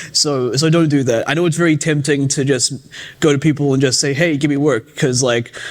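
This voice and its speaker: A fairly high-pitched man with a New Zealand accent, fairly even intonation, very even loudness and a fairly quick pace. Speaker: voice actor giving a conference talk. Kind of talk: conference talk. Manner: casual, filler-heavy.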